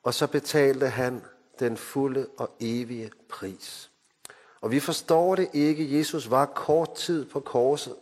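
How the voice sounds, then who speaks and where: A man from Denmark preaching a sermon, moving between emphatic lines and hushed, solemn ones. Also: mid-range voice, steady tone. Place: mission hall. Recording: hall reverb.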